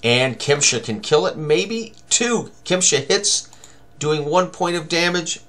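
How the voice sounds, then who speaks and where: Speaking slowly and animatedly in a fairly high, fairly bright voice, an older man presents a tabletop game tutorial at his computer in a small room. He thinks aloud in short running commentary on the rolls and tallies.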